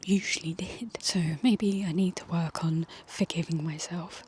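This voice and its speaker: A woman whispering softly and tenderly as she talks to her viewers, recorded outdoors in a garden. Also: on the low side, fairly even intonation, a little slow, slight background noise. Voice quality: soft unvoiced whisper. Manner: gentle, tender, reflective. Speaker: video creator. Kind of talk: whispered ASMR-style personal talk. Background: faint outdoor ambience with bees.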